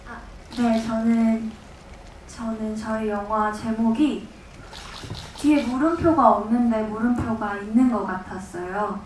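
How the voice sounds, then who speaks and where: A woman actress with a slightly high voice answers reflectively and softly. Her voice sounds distant, with strong hall echo and faint noise. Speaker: actress at a press conference. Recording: echoey hall from far off.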